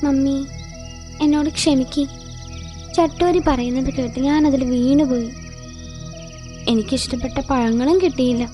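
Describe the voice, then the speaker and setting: A woman's voice: high-pitched, normal speed, over music, close to an everyday voice. A woman voicing a naive, fretful young girl bird in a children's cartoon, childlike and earnest. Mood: apologetic.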